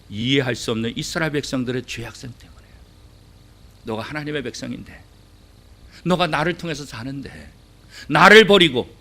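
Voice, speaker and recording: A middle-aged male pastor preaching a sermon, acting out quoted voices and asking the congregation rhetorical questions, swinging between loud and hushed. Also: on the high side.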